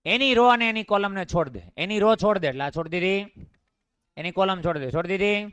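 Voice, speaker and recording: A man with a Gujarati accent teaches physics in a call-and-response lecture, asking the class each question and then supplying the answer himself. His voice is a little high, smooth, resonant and a bit bright, and he talks fairly quickly. The recording is dry and close, with no room echo.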